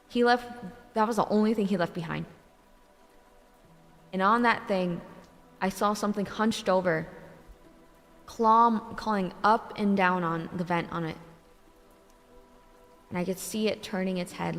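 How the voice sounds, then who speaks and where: A young woman streamer telling a true ghost story in casual, animated speech, swearing often and filling with "like". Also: medium pitch. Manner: animated, swears a lot, many filler likes. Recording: long reverb, faint music behind.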